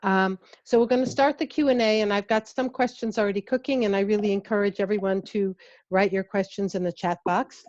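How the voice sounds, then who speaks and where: A woman's voice: medium pitch, steady tone, brisk, darkish tone, no echo. A middle-aged woman moderating a webinar Q&A, friendly, reading out questions from the audience through a headset mic. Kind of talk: hosting a Q&A. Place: home office, indoors. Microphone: headset mic on video call. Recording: dry, slightly dull headset audio.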